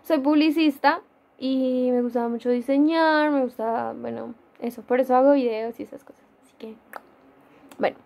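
Chatty young Colombian woman, higher voice. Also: normal speed, creaky, highs cut off. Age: young adult. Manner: chatty, rambling, laughs often, many fillers. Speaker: gaming YouTuber. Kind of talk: casual Q&A vlog. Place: dim room at home.

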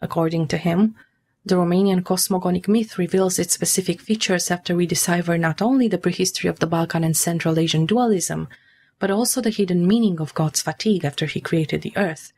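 A woman giving scripted narration in a measured, formal storytelling manner, as in an explainer on myth and folklore. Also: on the low side, a little mellow, husky. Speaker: narrator of a mythology video.

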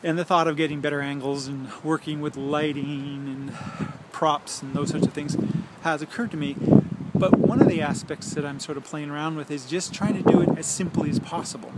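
A man in his forties talking casually and haltingly to a handheld phone, musing as he drifts between thoughts. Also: on the high side, fairly even intonation, very noisy. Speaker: video blogger. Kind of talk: casual rambling monologue to camera. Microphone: handheld smartphone at arm's length.

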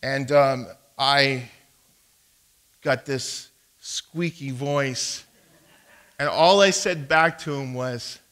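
A man's voice: mid-range voice, very slow, pauses often, a bit bright. A man, preaching a sermon as a pastor and telling a personal story, emphatic, with frequent restarts. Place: church sanctuary.

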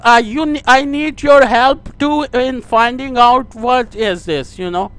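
Prank caller: South Asian-accented man, very high voice, halting, repetitive, deferential, slow delivery. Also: fairly bright tone, smooth. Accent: South Asian English. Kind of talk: staged phone conversation.

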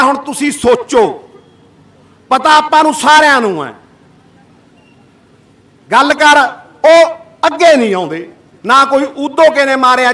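A middle-aged man speaks in a very high voice, addressing a crowd with fiery rhetorical questions. He is picked up from some distance away from the mic. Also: pushed and bright. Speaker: activist. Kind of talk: speech to a gathered crowd.

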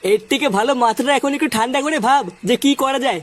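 A man's voice: very high-pitched, fast talker. A man voicing a crude but sensible male friend in a comedy cartoon, admonishing and practical.

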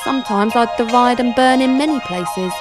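A woman's voice: fairly high pitch, normal speed, music in the background, natural voice. A woman playing a nimble, eager magical spirit, declaimed in Shakespearean stage style. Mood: exultant.

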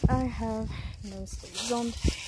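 A woman's voice: a little high, steady tone, measured pace. Young woman cussing on a woodland hike. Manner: chatty, cussing, rambling aside comments. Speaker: vlogger. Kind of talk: casual chat while hiking. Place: wooded hills outdoors. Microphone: phone camera held low. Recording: loud outdoor noise on phone mic.

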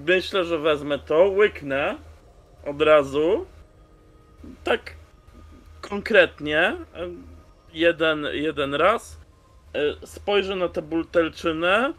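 A man's voice: fairly high pitch, takes it slowly, long pauses, fairly bright tone. A man in his thirties casually describing his character's actions as a player in a tabletop game.

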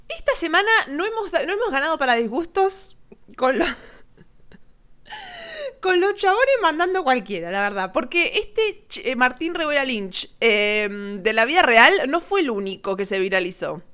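A woman's voice: high-pitched, very animated, normal speed, a bit bright. A woman with an Argentine accent casually commenting on viral clips as host, chatty and sarcastic, often laughing. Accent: Argentine Spanish.

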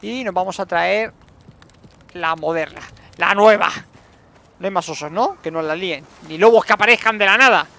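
A man commentating his survival game playthrough, excitable, shouting when fights turn chaotic. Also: high voice, moderate pace, creaky, long pauses. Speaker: gaming YouTuber. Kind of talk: let's play commentary.

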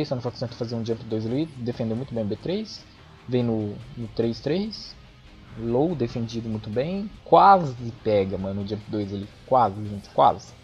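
An excitable man commentates a fighting-game match in a loose, chatty way, swearing freely. He is recorded on an old microphone that makes him sound dull and lo-fi. Faint music plays underneath him. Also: medium pitch. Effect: dull lo-fi sound from his old microphone. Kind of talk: casual esports match commentary.

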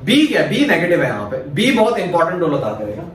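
A maths lecturer from Pakistan, male, talks fast with a fairly high, fairly bright voice and huge swings in pitch. He explains step by step, asking questions only to answer them himself, while a distant mic picks up heavy echo and faint hiss.

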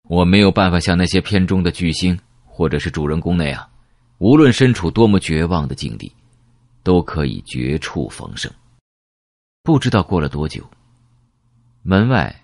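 Deep-voiced man narrating an audiobook. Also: dry recording, clean studio sound. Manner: expressive storytelling. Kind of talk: first-person novel narration.

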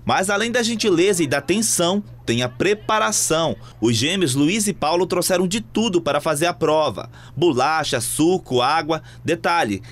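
A male reporter with a northern Brazilian accent reading a news report voice-over in a brisk, measured way. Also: a little high, expressive, a bit bright. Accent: Brazilian Portuguese, northern.

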